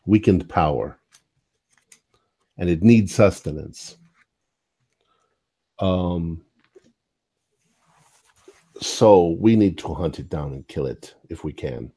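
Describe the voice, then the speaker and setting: A man voicing a solemn village elder in a tabletop game, speaking in measured, deliberate sentences. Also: low-pitched, dark tone, heavily acted. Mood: determined.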